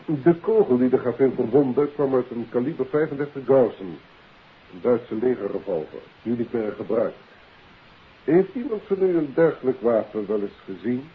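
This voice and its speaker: An actor playing a formal, matter-of-fact police inspector in a 1950s Dutch radio play. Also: male voice, mid-range voice, expressive, normal speed, a little hiss or hum, close to an everyday voice. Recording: tinny, muddy old radio recording.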